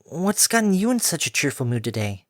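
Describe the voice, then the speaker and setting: A man's voice: fairly high pitch, sing-song, a little fast, dry recording, clean studio sound. A man reading an audiobook, voicing a brash, tomboyish young filly pony with a cocky, awkward manner.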